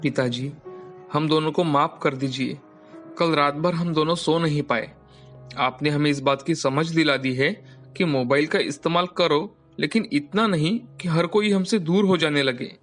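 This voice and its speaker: Woman doing a lowered apologetic young father. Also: measured pace, soft background music.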